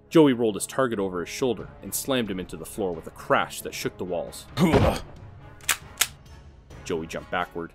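A male narrator with a low voice reads a dramatic script. His delivery is that of scripted storytelling, and soft music plays behind him.

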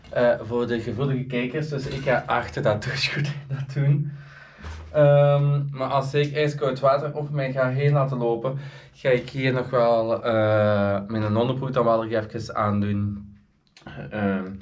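A man in his thirties with a Flemish accent, chatting casually to his vlog camera in halting phrases. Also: mid-range voice, darkish tone. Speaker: vlogger. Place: indoors at home, rooms and bathroom. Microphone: camera at arm's length or a few steps.

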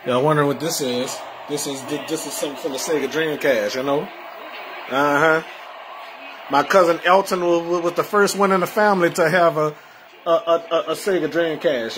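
A man hosting a casual home livestream, rambling with many repeats and soft trailing endings. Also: a little high, moderate pace, a little hiss or hum. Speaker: livestream host. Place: home, indoors.

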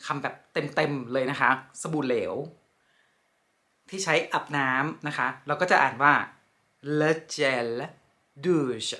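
A woman leads a pronunciation lesson, going over each word with slow, careful repetition. Her delivery is extremely unhurried and drawn out. Her tone is bright and forward. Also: rumbling low. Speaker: French language teacher.

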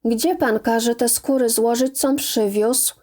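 Calm plain-spoken young man, read by a woman. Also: on the high side, slow. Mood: matter-of-fact. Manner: calm and matter-of-fact. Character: quiet, plain-spoken young male assistant.

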